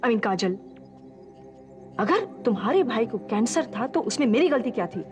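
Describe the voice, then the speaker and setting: A defensive, indignant rival. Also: female voice, on the high side, very animated, normal speed. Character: defensive, indignant woman rival denying accusations. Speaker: actor in a TV serial. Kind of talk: Hindi TV melodrama acting. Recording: TV drama with prominent background music.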